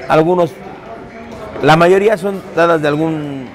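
A man's voice: fairly high pitch, unhurried, a faint crowd. A man in his forties with a Mexican accent, telling the story of his taquería in an interview, talking easily with hesitant restarts. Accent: Mexican Spanish. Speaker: taquería owner. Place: busy taquería dining room, indoors. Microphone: camera interview, seated. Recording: music under the voice.

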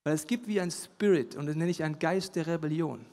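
A male pastor preaching a sermon, moving between loud emphatic bursts and quiet intimate passages, with English interjections. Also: a little high, brisk. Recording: long hall reverb.

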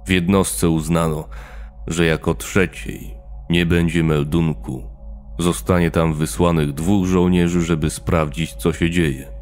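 A man's voice: sits low, level tone, measured pace, a little mellow, soft background music. A man doing a grim, shaken army warrant officer. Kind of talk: horror story reading.

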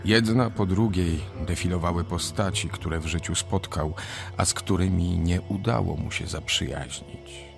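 A man narrating a radio story in measured, scripted literary prose. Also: sits low, gravelly. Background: music.

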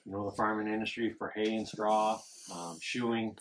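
Low-voiced rambling middle-aged man. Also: steady tone, normal speed, low-quality recording. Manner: rambling, chuckling, lots of fillers. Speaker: barn owner. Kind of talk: casual storytelling. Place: outdoors at a barn in the countryside. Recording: outdoor camera audio with clear background noise.

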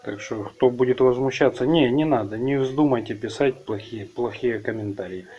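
A man's voice: medium pitch, mellow, muffled recording. A man with a Ukrainian-accented Russian voice, talking casually through a car repair while filming his own hands under the hood. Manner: unhurried, rambling, plain-spoken. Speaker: car repair video host. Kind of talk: casual how-to vlog. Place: outdoors under a car hood, then a workshop. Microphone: handheld camera, filming his own hands.

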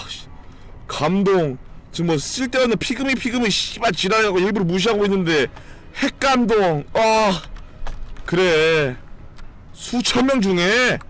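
A young man streaming a video game live, commenting excitedly, swearing often and talking to his viewers. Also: sits high.

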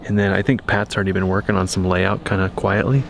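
Rambling, low-voiced homeowner chatting outdoors. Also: male voice, fast talker, vocal fry, noisy background. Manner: rambling, animated storytelling. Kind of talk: casual chat on camera.

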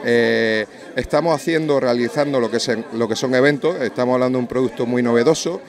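A man in his forties giving an interview at a busy restaurant event, speaking into a handheld mic with a fluent sales pitch full of "eh" fillers. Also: brisk. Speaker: drinks company representative.

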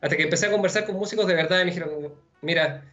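A young man with a Chilean accent answering interview questions on a video call from home, relaxed and rambling with many fillers. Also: a little high, rapid-fire. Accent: Chilean Spanish. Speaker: musician guest. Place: room at home. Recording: dull lo-fi video call audio with faint music.

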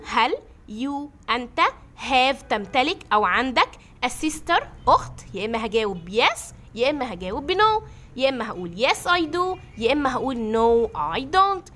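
A woman with an Egyptian accent teaching a classroom grammar lesson, patiently repeating examples slowly. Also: high-pitched, sing-song, fairly bright tone. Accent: Egyptian Arabic.

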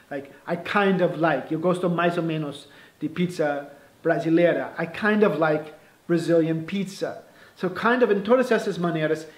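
A man with a high, light voice teaches English phrases at an easy pace. He often restarts his sentences and slips English words into his explanations. The room around him rings with echo. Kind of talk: casual bilingual lesson.

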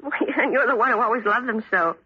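An actress playing an impatient young wife, brisk and sighing, in an old-time radio drama. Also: female voice, fairly high pitch, slightly rough. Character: cold, impatient American wife. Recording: noisy muffled old radio broadcast.

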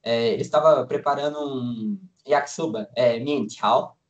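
A nineteen-year-old Brazilian student, appearing as a guest, chats casually in an interview, rambling with lots of fillers such as "tipo" and "assim." His voice is medium-pitched and unhurried, and the recording sounds muffled. His manner is relaxed throughout.

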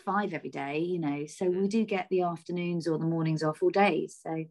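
A woman, a soap actress chatting thoughtfully in an interview, often pausing and rephrasing over a video call. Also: on the low side, fairly even intonation, a little mellow. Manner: thoughtful, hesitant. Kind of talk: casual interview chat. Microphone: laptop video call.

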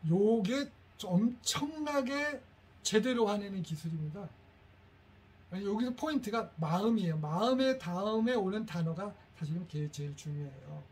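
A middle-aged man, a teacher, giving a lively workshop to parents and coaxing the audience to repeat phrases after him. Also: high-pitched, normal speed, breathy edge.

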